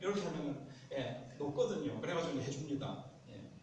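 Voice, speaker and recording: A man preaches in a relaxed, folksy way and acts out little scenes between husbands and wives. His voice sits a bit high and carries from a distance. The sound bounces around a large, reverberant church. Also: a little fast, a little hiss or hum. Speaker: pastor. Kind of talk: sermon. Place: church sanctuary. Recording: echoey church sanctuary, distant mic.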